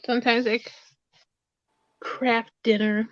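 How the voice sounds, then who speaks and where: A woman's voice: on the high side, level tone, takes it slowly, no echo, highs cut off. A woman chatting with friends on a live video call in a laid-back, slangy, teasing way. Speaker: guest on a live chat. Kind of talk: casual chat among friends.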